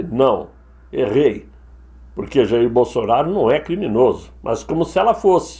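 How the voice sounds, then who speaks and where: Somewhat breathy and fairly high, a man's voice carries a dark, mellow tone at a fairly slow pace. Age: 70s. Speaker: political commentator. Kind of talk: political commentary monologue.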